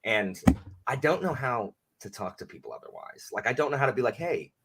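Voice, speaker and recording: A man's voice: mid-range voice, big pitch swings, a little fast, gravelly, fairly bright tone, breathy edge. A man chatting casually as a guest on a live stream, rambling and self-deprecating with lots of restarts.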